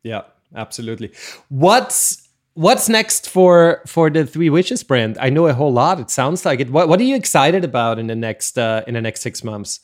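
A man's voice: mid-range voice, expressive, normal speed. A man with an Austrian accent hosting an interview, laughing often and repeating his words as he stumbles into questions. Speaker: interview host. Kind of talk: casual podcast interview.

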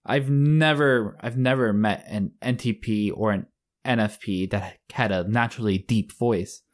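A young man co-hosting a podcast in easy conversation, his voice a bit high and friendly. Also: measured pace. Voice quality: fairly high-pitched voice. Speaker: podcast co-host. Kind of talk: casual chat.

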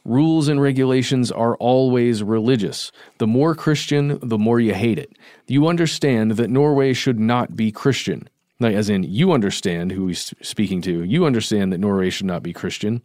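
A male podcast co-host talks things through in a casual, thoughtful discussion, qualifying his points as he goes. His mid-range voice is a little mellow and moves at normal speed, in a studio-quality recording with no room sound.

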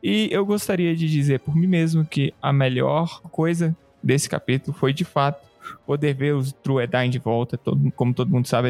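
A man's voice: mid-range voice, creaky, darkish tone. A man co-hosting a podcast, moderating the segments with a dry, mock-serious delivery. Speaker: podcast co-host. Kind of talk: casual podcast chat.

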